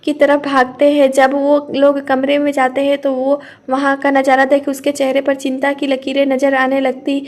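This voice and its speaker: A woman reading a romantic audio story aloud as narrator, steady with small slips and restarts. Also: sits high, moderate pace, few pauses.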